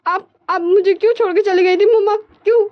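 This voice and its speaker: A woman's voice: high voice, expressive, fairly quick, highs cut off. A woman voicing a small boy who sobs and pleads for the mother he lost. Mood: sobbing. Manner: sobbing, pleading.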